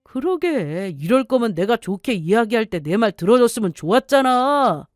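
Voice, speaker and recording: A woman's voice: on the high side, very animated, normal speed, no echo, faint music behind. A scheming middle-aged husband who bullies and threatens his wife, as a woman puts him on for an audio story. He pushes hard and turns defensive when cornered, his voice dry and close with no room around it. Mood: threatening.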